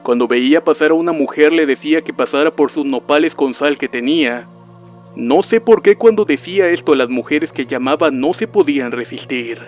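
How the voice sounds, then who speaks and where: A man narrating a witch horror story in a calm, even storytelling voice. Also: a little high, brisk. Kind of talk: scripted narration. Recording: dull lo-fi sound with faint music.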